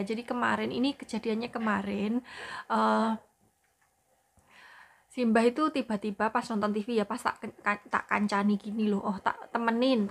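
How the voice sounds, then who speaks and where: A woman's voice: a little high, creaky. A young Indonesian woman with a Javanese accent, chatting casually to her viewers about looking after an elderly person at home. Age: young adult. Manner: chatty, explaining, often says "gitu". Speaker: vlogger, caregiver for an elderly person. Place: home in a city. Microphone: phone.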